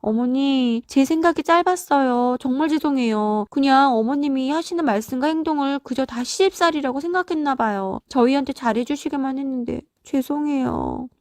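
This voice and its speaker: A woman's voice: high-pitched, normal speed, hardly any pauses, no room sound, clean studio sound, pitched above the performer's own voice. A woman voicing a meek young daughter-in-law in a family story, apologetic and pleading. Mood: contrite. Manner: contrite, pleading.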